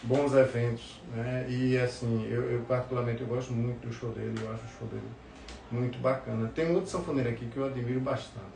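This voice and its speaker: A man from the forró scene speaks in a casual, anecdotal way with a northeastern Brazilian accent. His voice has a strong creaky grain. The sound is roomy, with faint noise behind him. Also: medium pitch, fairly even intonation, fairly quick. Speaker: podcast guest, forró musician. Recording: roomy, distant mic, faint background noise.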